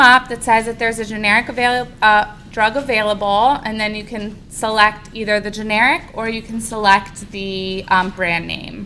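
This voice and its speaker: With light background noise, a woman with a fairly high pitch talks at a moderate pace, hardly pausing, her loudness swinging a lot. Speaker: Medicare counselor training volunteers; presenter. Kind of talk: training presentation. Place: meeting room. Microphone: podium.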